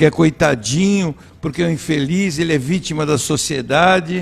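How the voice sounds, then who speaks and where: A man talks at a moderate pace with a fairly high pitch. His pitch variation is ordinary. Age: 60s. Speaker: business association president. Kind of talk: radio talk show discussion. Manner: animated.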